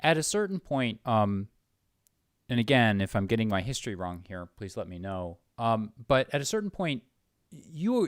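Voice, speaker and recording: A North American man interviewing in a casual, rambling style. His mid-pitched voice swings with lively intonation, and the sound is close and dry. He hedges and phrases things informally. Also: dry recording. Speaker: interviewer, host.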